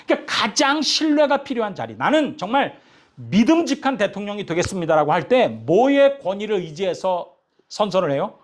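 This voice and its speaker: Man, 50s, pastor, church lecture, playful questions to the audience, high voice. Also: a little fast. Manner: animated, asks the audience questions and jokes with them. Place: church hall.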